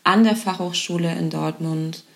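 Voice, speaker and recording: Low, creaky young woman, slow delivery. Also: steady tone. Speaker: photography master's student.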